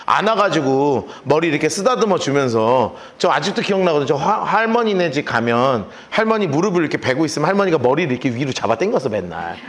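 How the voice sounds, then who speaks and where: Man, pastor, sermon, acts out scenes, very expressive intonation. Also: a little high, fast, few pauses. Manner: animated storytelling, acts out characters.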